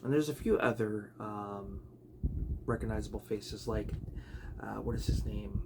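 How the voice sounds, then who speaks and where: A man chatting casually about his video collection, rambling with many fillers and restarts, his voice a bit raspy. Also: on the low side, measured pace. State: raspy, clearing throat. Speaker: home video collector vlogger. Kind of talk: casual unscripted chat. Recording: noticeable background noise.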